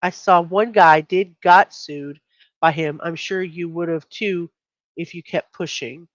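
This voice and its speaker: A woman's voice: lowish voice, measured pace, no room sound, lo-fi sound. A middle-aged woman, hosting a casual true crime live stream, reading out and commenting in a conversational, blunt way.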